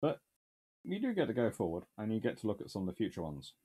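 A man's voice: lowish voice, wildly swooping pitch, fast talker, mellow, breathy edge. A British man in his thirties, a naval historian host, chatting casually from a book-lined home study with dry, wry asides and sudden bursts of enthusiasm. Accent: British English. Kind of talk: casual chat reviewing books and answering questions.

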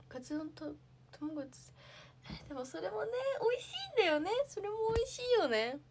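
A woman's voice: a little high, a bit bright, a little hiss or hum. A young woman, an idol, chatting casually on a livestream, answering viewer comments and thinking aloud with lots of fillers.

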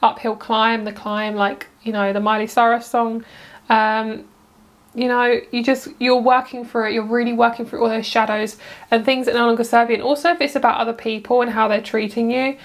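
A chatty woman with a slightly high voice reads tarot cards at home. She rambles cheerfully, stops herself mid-thought and wanders into side comments before getting back on track. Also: gravelly. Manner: chatty, rambling, self-interrupting with asides. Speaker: tarot reader. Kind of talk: casual pick-a-card tarot reading.

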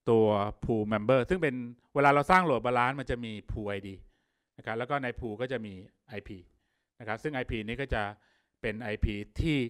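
A man's voice: medium pitch, a bit bright. Thai man leading a tech workshop. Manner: casual explaining with fillers and polite particles. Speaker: workshop speaker. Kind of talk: technical workshop presentation.

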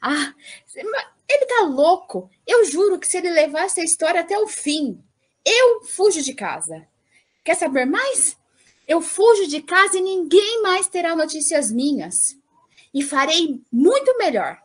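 Woman playing a high-voiced indignant young princess. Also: big pitch swings, a little slow, heavily acted. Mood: outraged, defiant. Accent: Brazilian. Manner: theatrical, defiant. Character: indignant, headstrong young princess refusing an arranged marriage. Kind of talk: comedic audio drama acting.

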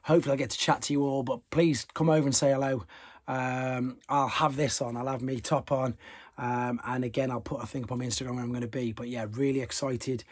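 A man's voice: mid-range voice, steady tone, fairly quick, breathy edge. A man in his thirties with a British accent, talking casually to his phone camera about his day selling toys, upbeat but a little tired. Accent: British English. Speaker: toy seller and YouTuber. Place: bedroom, then car, car park and big indoor exhibition hall. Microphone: phone held at arm's length. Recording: phone audio with hall noise.

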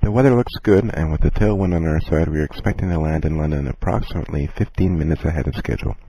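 Casting: calm, courteous airline captain played by a man, very low, mellow voice, measured scripted cabin announcement. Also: slight background noise, poor audio. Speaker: airline captain in a listening lesson.

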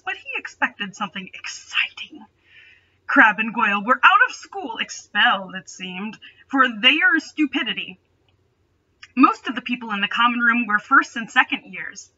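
A woman's voice: on the high side, pushed and bright, muffled recording. A young adult woman reading a story aloud with dramatic delivery and sarcastic, mocking asides. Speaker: host reading fan fiction aloud. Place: small bedroom, indoors.

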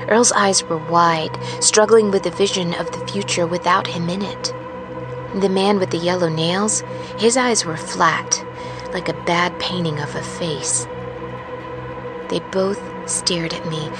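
A woman playing a weary, haunted truck driver, musing in a hushed, halting monologue for a fiction podcast. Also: lowish voice, natural voice. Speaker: narrator of serial fiction podcast. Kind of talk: dramatic first-person audio fiction monologue.

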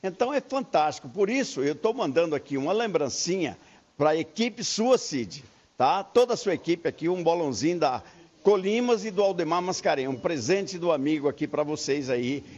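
A man's voice: fairly high pitch, lively intonation, normal speed, a little mellow. An older man, president of a lottery federation, chatting upbeat and folksy in a live TV interview inside a busy lottery shop, into a handheld mic. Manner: folksy, upbeat salesman talk. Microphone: handheld reporter mic. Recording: muffled broadcast field audio.

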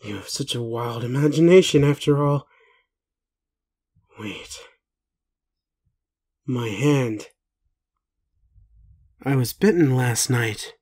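A man plays a gentle werewolf man in an intimate roleplay audio. He talks very slowly at a medium pitch, halting and groggy. His manner is that of a tender, doting caregiver who doubts what he is told. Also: husky.

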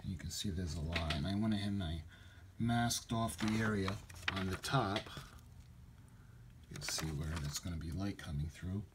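Low-voiced man with noticeable background noise. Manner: halting, thinking aloud. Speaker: hobby model builder, video host. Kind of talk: casual hands-on tutorial narration. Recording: noisy handheld home video sound.

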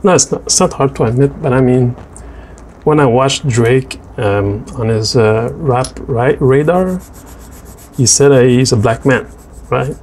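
A man of medium pitch speaks unhurriedly and a little mellow, with slight background noise behind him. Narrating a drawing video, this French Canadian artist, French-speaking by birth, chats casually about his work and preferences, often hesitating and restarting.

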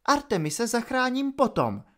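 A man's voice: very high-pitched, sing-song, sharp tone, pitched above the performer's own voice, heavily acted. A man reading an audiobook and voicing a young female elf captain who speaks urgently and tensely. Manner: urgent, raised.

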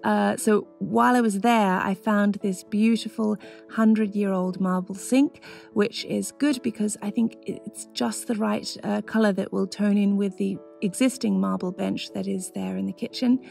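A woman in her thirties from Australia tells the story of her home kitchen renovation, chatty and delighted. Her mid-pitched voice carries a gravelly fry. Soft music plays faintly underneath. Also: fairly even intonation, moderate pace. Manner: enthusiastic, chatty, laughs often. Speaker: lifestyle vlogger. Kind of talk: voice-over narration and casual vlog talk.

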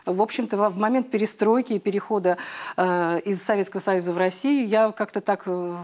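A middle-aged woman, a guest singer, answers interview questions in a TV studio, speaking chattily with frequent hesitations into a lapel mic. Her mid-range voice has a darkish tone and moves at a fairly quick pace.

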